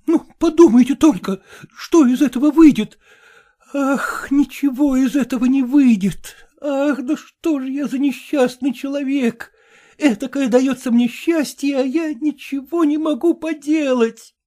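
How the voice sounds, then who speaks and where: A man's voice: very high-pitched, expressive, moderate pace, dark tone, voice pushed up. A man voicing a timid, lovesick office clerk who mumbles servile apologies and weeps. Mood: tearful.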